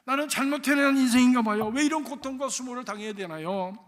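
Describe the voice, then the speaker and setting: Tearful, pleading young boy, put on by a male pastor; high and loud, in a church with reverb. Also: quick pace. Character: lonely bullied immigrant schoolboy crying to God.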